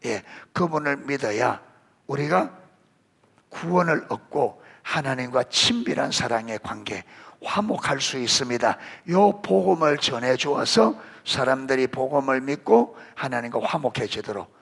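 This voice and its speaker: A middle-aged man preaching, his voice gravelly and a touch husky, rising and falling across a wide range. He keeps firing questions at his listeners and calls children out by name to answer. The delivery is a warm, conversational sermon. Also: medium pitch, moderate pace. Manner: animated, rising emphasis on scripture. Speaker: pastor.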